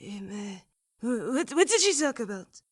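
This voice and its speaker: A woman playing a frightened young companion in an audio drama, stammering and pleading in a halting, timid way. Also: fairly high pitch, very animated, breathy edge. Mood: anxious, prodding. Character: frightened, pleading young companion afraid of being left alone.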